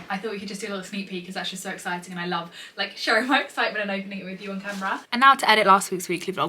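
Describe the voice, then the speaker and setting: A woman's voice: medium pitch, pushed and bright. A British woman in her twenties chatting casually to camera in a bubbly, gushing, girly way, as a vlogger. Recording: distant mic, faint background noise.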